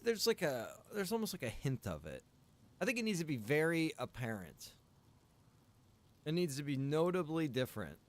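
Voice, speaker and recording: A man chatting casually on a game livestream, rambling and thinking out loud. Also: a little high, sing-song, moderate pace. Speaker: game streamer. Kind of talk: casual livestream chat while gaming.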